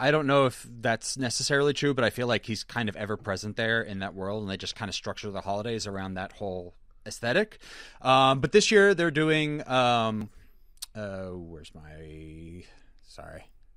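A man at a fairly quick pace with lively intonation, long, frequent pauses, big swings in loudness, and a dry sound with no echo. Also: quiet background. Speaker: fill-in podcast co-host. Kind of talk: casual chat. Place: home room. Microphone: studio mic.

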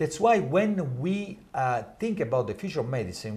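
With vocal fry, a man speaks at a fairly high pitch and moderate pace, his pitch swinging very widely. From Italy. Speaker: cardiologist; guest. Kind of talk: interview presentation. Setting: studio. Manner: halting. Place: studio. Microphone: lapel.

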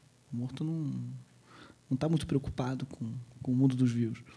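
The voice has a dark, mellow tone and ordinary pitch variation. It moves at a moderate pace against a quiet background. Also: man. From Brazil, Rio de Janeiro. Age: 30s. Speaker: novelist; guest. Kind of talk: interview monologue. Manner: halting, many fillers and repetitions. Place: stage. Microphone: handheld.

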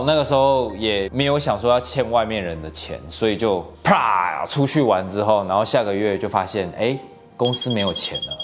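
With music playing in the background, a man speaks at a moderate pace in a fairly low voice, showing ordinary pitch variation and hardly any pauses. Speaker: interviewee. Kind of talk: interview answer. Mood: reflective, some laughter. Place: studio. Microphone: lapel.

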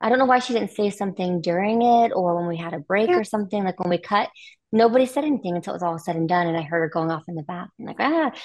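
A woman talks at a very fast pace with lively intonation. The background is quiet. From US Midwest. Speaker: adult film performer; podcast guest. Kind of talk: casual chat. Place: home room. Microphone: video call.

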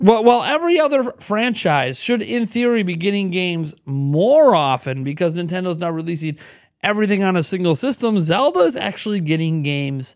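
Very cleanly recorded against a silent background, a man talks in a high voice. His intonation is lively. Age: 30s. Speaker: YouTube gaming commentator. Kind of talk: video commentary monologue. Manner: casual, conversational.

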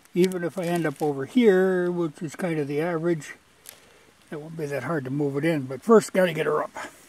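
In a dry recording with no echo, a man with a high pitch talks at a fairly quick pace with ordinary pitch variation. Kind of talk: casual vlog chat. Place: open country.

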